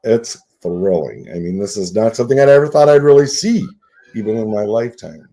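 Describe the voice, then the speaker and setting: A man's voice: lowish voice, fairly quick, warm tone. A man in his sixties, a nonprofit CEO, speaking as a guest in a casual radio interview, reflective and earnest, often checking in with "right?". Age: 60s.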